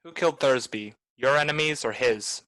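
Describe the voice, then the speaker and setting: A man acting a low-voiced, hard-boiled private eye. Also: moderate pace, fairly bright tone, dry recording, close to an everyday voice, low-quality recording. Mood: cool, sardonic. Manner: clipped, slangy, sardonic. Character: hard-boiled male private detective, wry and cynical. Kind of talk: 1940s radio noir narration and dialogue.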